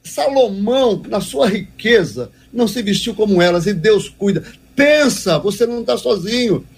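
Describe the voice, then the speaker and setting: A man with a high, husky voice teaches like a preacher in a devotional talk. He speaks emphatically and circles back to repeat key phrases. The delivery stays earnest and insistent. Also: expressive, normal speed.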